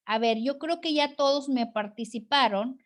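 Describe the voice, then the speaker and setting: A woman's voice: high-pitched, moderate pace. A woman teacher leading an online class discussion, encouraging students and tagging her points with "right?". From Mexico. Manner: encouraging, frequent "¿verdad?" tag questions. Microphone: video call.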